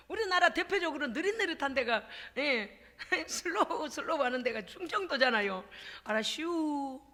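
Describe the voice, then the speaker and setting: A woman pastor preaching a church sermon, animated and exclamatory, laughing often and making folksy, chatty asides to her congregation. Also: high voice. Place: church service. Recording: echoey church hall.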